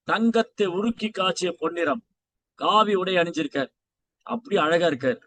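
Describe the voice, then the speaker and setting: A man's voice: high-pitched, fairly bright tone. A man preaching a sermon with a Tamil accent, telling a devotional story and acting out the dialogue of its characters. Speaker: Vaishnava preacher.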